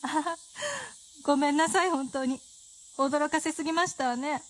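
上品な言葉遣いで夫をからかう作家の妻を演じる女性俳優。ラジオドラマの芝居。. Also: female voice, high-pitched, fairly even intonation, normal speed, a bit bright, slight background noise. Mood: wry. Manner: polite, teasing, genteel speech. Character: refined wry wife of a novelist. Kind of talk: radio drama acting.

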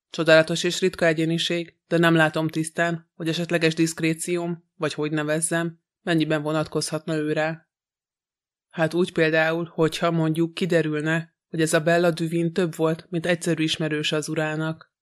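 A man reading a detective novel aloud as an audiobook narrator, in a measured, even way. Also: clear, resonant tone. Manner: even, measured reading with little pitch movement.

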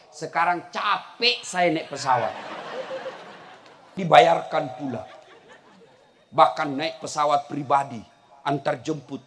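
A middle-aged male preacher, giving a humorous religious lecture and telling stories with shouts and laughter. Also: a little high, a little hiss or hum. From South Sulawesi. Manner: animated storytelling, bursts into shouts and laughter.

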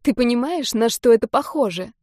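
A woman reading the part of a stubborn young woman who pleads, close to tears, her voice climbing higher. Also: lively intonation, moderate pace, a little mellow, dry recording. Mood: pleading.

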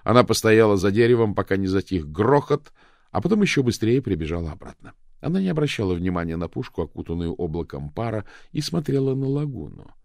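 A man reading an adventure novel aloud as narrator, expressive and raising his voice for the characters' shouts. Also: lowish voice, fast, creaky, no echo, studio quality. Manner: expressive, raises voice for shouted lines. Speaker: audiobook narrator.

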